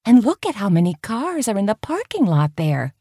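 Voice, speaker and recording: A woman giving voice to a cheerful grown woman revisiting the camp of her youth. She talks in a light, bright tone, softly wistful, somewhat higher than the plain narration. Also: very animated, normal speed, husky, no echo, clean studio sound.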